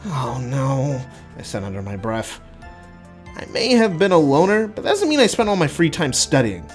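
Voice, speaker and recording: A man giving an expressive, casual dramatic reading of his own first-person writing. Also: on the high side, a little fast, faint music behind. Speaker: writer reading own work.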